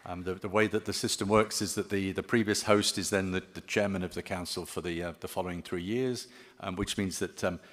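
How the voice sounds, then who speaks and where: A man giving closing remarks at a conference, speaking haltingly with many ums and restarts. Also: deep voice, steady tone, some chatter behind, slight background noise. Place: conference hall. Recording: long reverb of a large hall.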